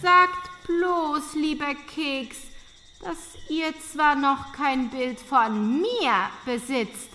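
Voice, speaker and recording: A woman's voice: sits high, very slow, pushed and bright, heavily acted. A woman playing a vain, gushing countess in an audio drama, affected, effusive and disdainful. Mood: haughty disdain. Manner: affected, effusive, with tinkling social laughs. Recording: long reverb, faint noisy ambience.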